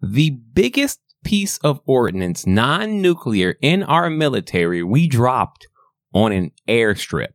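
A man's voice: medium pitch, big pitch swings, slow, no room sound, studio quality. A man co-hosting a podcast, joking around in a mock-earnest, casual way. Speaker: podcast co-host. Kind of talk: casual comedic chat.

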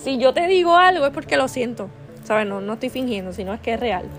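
Female podcast host, higher voice, affectionate and earnest devotional delivery, quiet music bed. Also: fast talker. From Puerto Rico. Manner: earnest and affectionate, with constant "¿verdad?" tags and restarts. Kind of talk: heartfelt devotional talk.

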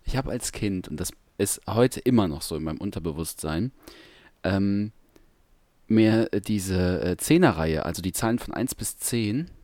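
Hesitant low-voiced man chatting. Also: animated, measured pace, darkish tone, no room sound. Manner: hesitant, many fillers and restarts. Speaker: podcast co-host. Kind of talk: casual chat.

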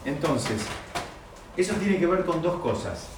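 A man's voice: on the high side, big pitch swings, unhurried. A man teaching a Torah class, explaining step by step and asking his listeners rhetorical questions. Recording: very echoey room, distant mic, faint noise.

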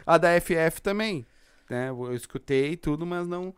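A man hosting a casual podcast, joking and reading out listener shout-outs. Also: a little high, moderate pace, clean tone, no echo, studio quality. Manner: joking, laughs easily, reads shout-outs. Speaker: podcast host. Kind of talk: casual chat.

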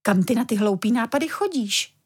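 A woman voicing a brisk, scolding mother in a children's storybook reading. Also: fairly high pitch, lively intonation, husky.

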